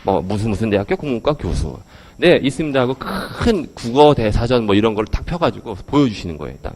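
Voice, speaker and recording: Speaking fast into a handheld mic, a male English education lecturer addresses an audience in a hall. His pitch jumps up and down as he fires questions at the crowd, and he stays animated throughout.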